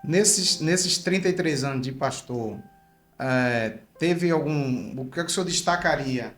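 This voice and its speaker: A man's voice: fairly high pitch, a little slow, fairly bright tone, faint music behind. A man co-hosting a casual interview, repeating words as he forms questions. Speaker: podcast co-host.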